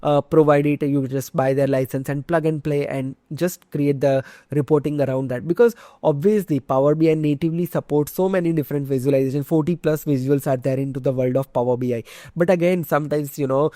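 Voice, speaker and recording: A man in his thirties from India with an Indian English accent, teaching a software tutorial in a conversational way with many "you know"s and "uh"s. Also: mid-range voice, no room sound, studio quality. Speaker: instructor. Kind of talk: screen-share tutorial lecture.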